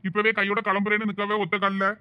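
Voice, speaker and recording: A man's voice: high-pitched, completely flat delivery, fast, pushed and bright, clear, resonant tone. A man doing a flustered, pleading village husband. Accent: Thoothukudi Tamil. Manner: pleading, coaxing. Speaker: cartoon voice actor. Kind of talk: comic cartoon family drama.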